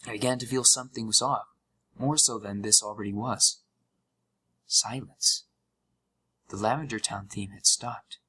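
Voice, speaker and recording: A man's voice: on the low side, steady tone, measured pace, pauses often, bright, forceful tone, husky, exaggerated voice, low-quality recording. A young man playing an uneasy gamer who narrates a scripted horror story with dramatic, suspenseful delivery. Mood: puzzled, tense. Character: uneasy young male gamer recounting a haunted game.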